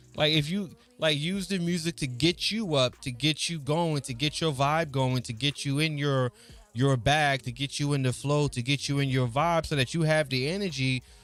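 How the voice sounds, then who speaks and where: Music plays in the background as a man with an American accent speaks at a moderate pace in an animated tone, his fairly high pitch varying in an ordinary way. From New York City, Harlem. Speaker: livestreamer. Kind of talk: casual livestream chat.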